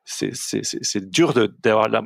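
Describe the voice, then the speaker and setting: A young man hosts a relaxed podcast conversation, searching for words with frequent fillers and restarts. His voice sits fairly low. The sound is dry and close, with no room echo. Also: moderate pace, vocal fry. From Belgium. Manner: hesitant, many restarts and fillers. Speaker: podcast host. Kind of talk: casual interview chat.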